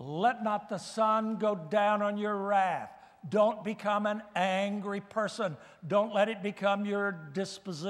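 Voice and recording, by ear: The voice is natural. Its owner is reading aloud.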